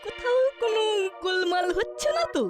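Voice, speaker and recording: A woman's voice: very high voice, brisk. A woman voicing a suspicious, easily rattled young boy in a comic cartoon, with hesitant delivery. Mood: nervous. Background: loud music.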